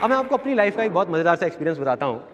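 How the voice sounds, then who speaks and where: A man from India giving a live motivational seminar talk, telling stories in a lively way and acting out voices. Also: sits high, racing, highs cut off, over a noisy crowd, very noisy. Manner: lively storytelling with acted voices. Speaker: motivational speaker. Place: large hall with an audience. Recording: echoey hall with audience.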